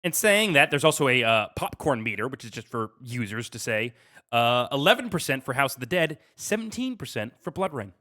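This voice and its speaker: A man co-hosts a casual podcast and runs a quiz segment. His voice is bright and sits at an average pitch. The talk is informal and conversational. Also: very animated, brisk. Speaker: podcast co-host running a quiz game.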